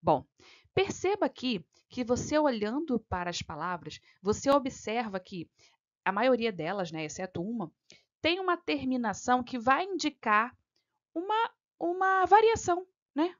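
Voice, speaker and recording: A woman's voice: fairly high pitch, sing-song, unhurried. A woman from Brazil tutors exam candidates through a grammar question, patient and methodical. She checks in constantly with her listener as she goes. The recording sounds a little dull and lo-fi. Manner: frequent "tá?" and "né?" checks, patient step-by-step explaining. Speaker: exam-prep teacher.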